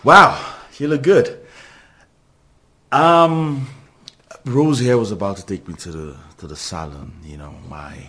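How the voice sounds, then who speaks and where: An actor playing a husband who greets an old friend and tries to calm his angry wife. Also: fairly low pitch, slow. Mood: friendly. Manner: placating, trying to calm others.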